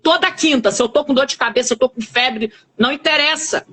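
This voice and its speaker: A woman's voice: high voice, brisk, fairly bright tone, husky. A woman giving a fervent church testimony with a Brazilian Portuguese accent, repeating key words for emphasis. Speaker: testifying minister.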